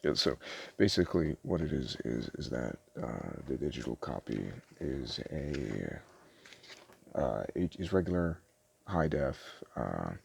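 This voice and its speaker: A man doing a casual, improvised ASMR shopkeeper roleplay, soft-spoken and hesitant, rambling in a self-deprecating way. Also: extremely low pitch, sing-song, measured pace, gravelly, slight background noise. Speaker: ASMR roleplayer playing a small DVD shop owner.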